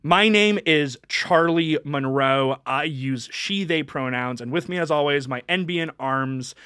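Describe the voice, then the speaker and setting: A woman's voice: deep voice, a little slow, a bit bright, smooth, no echo, studio quality. A young adult woman co-hosting a casual podcast, rambling and self-deprecating, laughing often. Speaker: podcast co-host. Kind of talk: casual chat.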